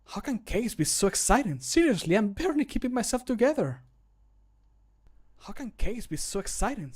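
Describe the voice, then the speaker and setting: Guy doing an excitable game adventurer dude, eager, voice pitched up a bit. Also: moderate pace. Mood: excited. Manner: eager, gushing. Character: excitable male adventurer, fascinated by caves. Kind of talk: video game voice line acting.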